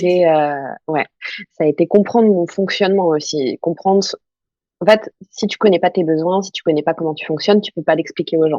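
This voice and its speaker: A woman's fairly low voice with a dark, mellow tone, moderate pace, ordinary pitch variation, big swings in loudness, and a dry, close sound with no echo. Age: 30s. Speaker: mindset coach. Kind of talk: interview answer.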